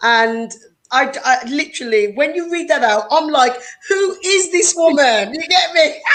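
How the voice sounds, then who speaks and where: Speaking at a fairly slow pace, a woman with a high-pitched voice and lively intonation talks in a Wolverhampton accent. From West Midlands, Wolverhampton. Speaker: actor and director. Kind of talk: casual interview. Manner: animated.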